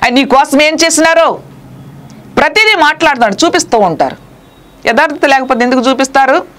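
A woman preaching a sermon and sharing her personal testimony, impassioned, praying aloud and swinging between raised pleading and hushed, low prayer. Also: expressive, a little fast. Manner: prays aloud to Jesus mid-sermon.

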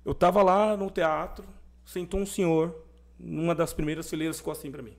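A young adult man, a podcast guest, telling his personal faith story in animated conversation and acting out the voices of people he quotes. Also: a little high, fairly quick.

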